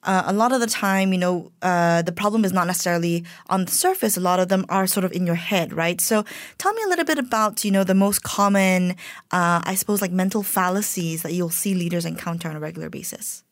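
A woman's voice: on the low side, animated, fairly quick, dry recording. A woman hosting a business radio podcast, introducing her guest and asking questions fluently with casual fillers. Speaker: podcast host. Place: radio studio. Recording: dry studio with faint music.

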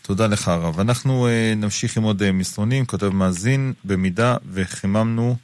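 A man's voice: on the low side, darkish tone. A man hosting a radio call-in show, politely thanking the rabbi and reading out listeners' text messages with small hesitations. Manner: brief, polite, reads out text questions with hesitations. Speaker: radio host.

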